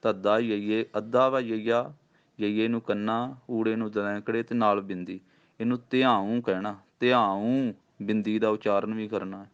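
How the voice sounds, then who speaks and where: A man teaching the recitation of scripture, spelling out syllables slowly and patiently. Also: fairly low pitch, fairly even intonation, clear, resonant tone. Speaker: Gurbani pronunciation teacher. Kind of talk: recitation lesson. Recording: dull lo-fi sound.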